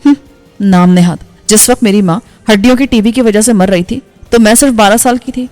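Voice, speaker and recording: A woman voicing a bold, forward young woman who talks quickly and frankly. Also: medium pitch, darkish tone, in a large hall, faint music behind, natural voice.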